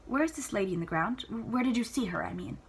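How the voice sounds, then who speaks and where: Woman playing caring young woman, questioning, fairly high voice, storybook character. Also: lively intonation, fast talker, breathy edge, exaggerated voice. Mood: concerned, curious. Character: young woman illusionist, gentle caretaker of children.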